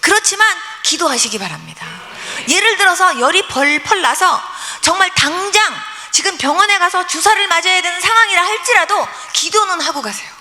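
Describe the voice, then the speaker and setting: Woman pastor, high and lively, storytelling sermon with acted-out prayers; long church reverb. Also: fairly quick. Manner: animated storytelling, acting out prayers and dialogue. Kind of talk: testimony sermon.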